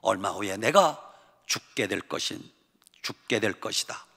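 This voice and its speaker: Preacher reads Jesus: calm, solemn and commanding, slightly lower and in a big hall. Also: male voice, a little slow, gravelly, breathy edge, full character voice. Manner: low and solemn in old scriptural phrasing.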